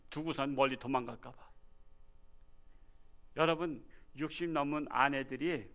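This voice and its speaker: A man in his sixties, a pastor giving a Sunday sermon in a folksy, joking way, jumping from loud cries to quiet asides. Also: a little high. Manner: animated, swinging from loud exclamations to quiet asides.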